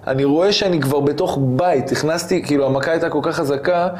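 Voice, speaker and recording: A man with a somewhat high voice, telling a personal story as an interview guest. He is animated and acts out the moments he recounts.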